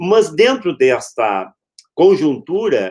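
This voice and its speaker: The background stays quiet while a man speaks at a very slow pace. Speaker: judge moderating a legal workshop. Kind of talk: panel discussion moderation. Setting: video call. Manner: formal, hesitant with many fillers. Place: home room. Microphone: webcam.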